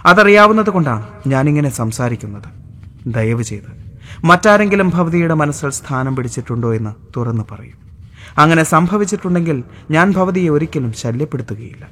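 Guy doing a polite earnest young american suitor, soft formal way of talking, storybook reading. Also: on the high side, animated, normal speed.

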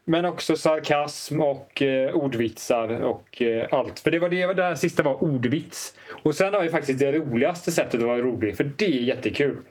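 A man with a slightly higher voice hosting a podcast in a light, playful way. He teases his guest and leads the chat from one joke topic to the next. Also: hardly any pauses. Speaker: podcast host.

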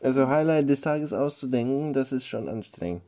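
A man's voice: mid-range voice, lively intonation, brisk, warm tone. A young man from Ukraine, a guest on a casual podcast, talking hesitantly with many fillers late at night from bed. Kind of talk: casual chat.

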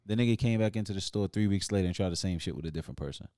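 A man's voice: deep voice, racing, mellow. A man with an African American New York accent telling a story casually as a podcast host, using street slang and acting out dialogue.

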